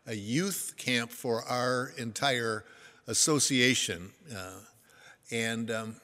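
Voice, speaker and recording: A man's voice: mid-range voice, slow, sharp tone, long reverb tail. An older man giving a sermon to a congregation, telling stories in a folksy, self-deprecating way. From United States. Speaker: pastor.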